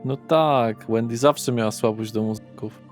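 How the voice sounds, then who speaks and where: A man playing a weary, affable middle-aged father who works as a psychologist, chatty and halting, in a tabletop game. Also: mid-range voice, fairly even intonation, faint music behind, natural voice. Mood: friendly, rambling.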